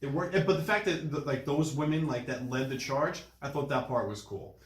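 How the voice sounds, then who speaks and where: A man hosting a casual movie discussion, retelling scenes in an animated way with repeated phrases. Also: medium pitch, moderate pace. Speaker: podcast host. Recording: roomy, echoing room sound.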